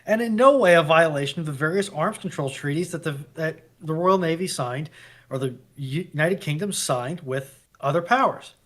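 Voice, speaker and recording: A man with a somewhat high voice joins a panel discussion. He is wordy and wry, pressing his point with mock insistence. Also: moderate pace, fairly bright tone. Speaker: panel participant.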